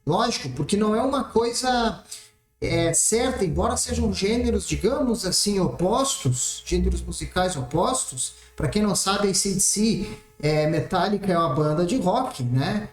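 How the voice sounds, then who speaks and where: A man's voice: sits high, animated, moderate pace. A man teaching an exam-prep math lesson, explaining step by step and checking in often. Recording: roomy echoey room.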